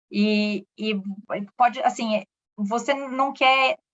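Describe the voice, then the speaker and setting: Here a woman is speaking. Her voice is fairly high-pitched. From Brazil, São Paulo. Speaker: ophthalmologist. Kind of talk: interview.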